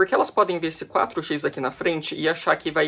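The voice has a Brazilian accent and a bright, sharp tone. It shows vocal fry and fairly even intonation. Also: man. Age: 30s. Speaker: skincare YouTuber. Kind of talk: product review. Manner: casual, many filler words. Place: home room.

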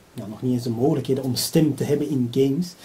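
Very fast speech with ordinary pitch variation. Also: man. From Flanders. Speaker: interviewer. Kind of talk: interview. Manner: halting. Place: home room.

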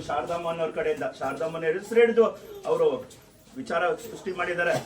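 There is noticeable background noise behind this man's high-pitched voice. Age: 50s. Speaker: local politician. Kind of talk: victory speech to villagers.

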